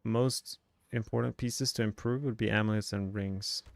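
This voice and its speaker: A Swedish game streamer, his accent lightly softened, chats loosely during a live stream while playing, musing aloud with frequent fillers. The man's voice is lowish and gravelly, with fairly even intonation and a moderate pace, and there's no room sound.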